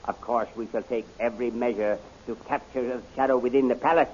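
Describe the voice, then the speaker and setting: Casting: a man as plotting court villain, mid-pitched, formal and measured, on hissy vintage radio. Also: fairly even intonation, darkish tone, natural voice. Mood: confident, scheming. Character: scheming, smooth-talking male henchman of a queen. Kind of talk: 1930s radio serial acting. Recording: muffled, hissy 1930s radio recording.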